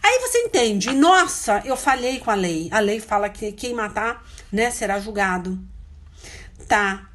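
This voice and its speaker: A woman preaching an informal sermon, chatty and self-interrupting, tagging phrases with quick questions. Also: mid-range voice, sing-song, a bit bright. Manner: chatty, hunts for verses aloud, frequent "né?" tags. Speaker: missionary preacher.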